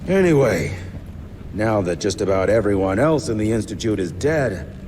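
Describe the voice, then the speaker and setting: An actor playing a gruff, world-weary veteran field agent in a video game, blunt and folksy in manner. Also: male voice, lowish voice, sing-song, moderate pace, background noise. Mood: weary, earnest. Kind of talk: video game cutscene acting. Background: music.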